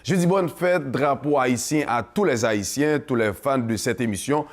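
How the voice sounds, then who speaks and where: A man's voice: medium pitch, normal speed. A man with a Haitian accent hosting a community show, talking passionately and mixing Creole into his French. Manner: passionate, switches between French and Creole, sings. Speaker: host. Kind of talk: casual monologue to camera.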